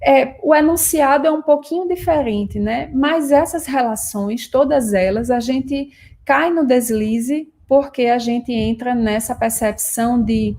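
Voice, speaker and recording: A Brazilian woman with a slightly high voice talks through family situations in a calm, measured way. She explains patiently during a live broadcast, the way a psychoanalyst teaches. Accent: Brazilian Portuguese. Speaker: psychoanalyst hosting a live talk.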